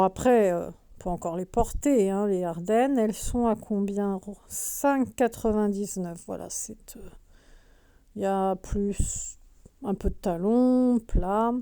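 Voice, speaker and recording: Inside a big discount store, a woman vlogs about the shoe display in a chatty, filler-heavy way, saying "euh" and "hein" and reading prices out. She has a mellow, clear, resonant medium-pitched voice, and her throat is slightly sore from a mask.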